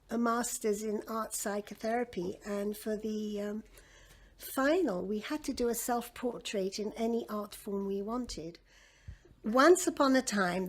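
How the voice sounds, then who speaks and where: A woman from Egypt reciting her own poem in a dramatic way, with wide swings in pitch and loudness.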